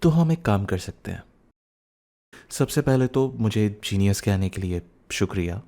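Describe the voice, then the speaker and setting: A man's voice: on the low side, lively intonation, unhurried, mellow. A young man playing a teasing, playful and cheekily bossy young husband who gets flustered, in a boyfriend ASMR roleplay, mixing in some English. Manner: teasing, repeats words, mixes in English.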